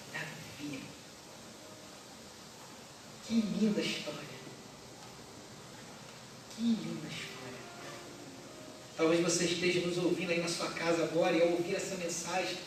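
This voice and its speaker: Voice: medium pitch, distant mic, a little hiss or hum. A pastor preaching a passionate sermon, emphatic and repetitive, firing rhetorical questions at the congregation. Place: large echoey church hall. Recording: echoey hall, recorded from afar.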